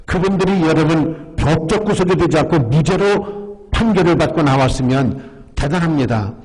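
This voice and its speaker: A male pastor delivers an emphatic sermon in a fairly high voice, repeatedly calling out to the congregation. His voice carries a long reverb through a church sanctuary. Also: lively intonation, moderate pace, darkish tone. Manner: emphatic, often addresses the congregation.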